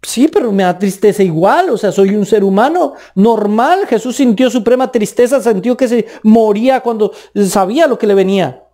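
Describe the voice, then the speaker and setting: A man with a Colombian accent preaching a sermon, emphatic, with pitch that rises and drops sharply for stress. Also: lively intonation, normal speed, warm tone.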